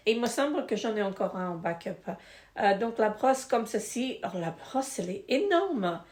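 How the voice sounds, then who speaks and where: A woman's voice: medium pitch, very animated, moderate pace, darkish tone. A woman with a stuffy, congested nose, reviewing beauty products in a casual, hesitant way full of fillers. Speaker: beauty vlogger. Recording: echoey room.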